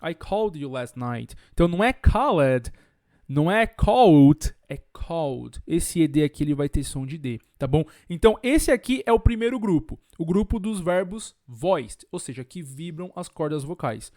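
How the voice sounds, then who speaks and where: A man from Brazil, an English teacher explaining pronunciation to camera in a lively way, repeating example words slowly and clearly. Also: fairly high pitch, no echo, clean studio sound.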